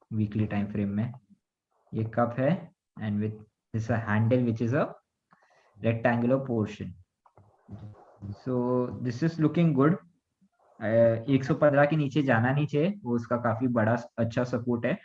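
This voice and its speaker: A man's voice: medium pitch, darkish tone, lo-fi sound. Man explaining stock charts. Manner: explanatory, mixes Hindi and English. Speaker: stock market analyst. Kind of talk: live webinar chart analysis.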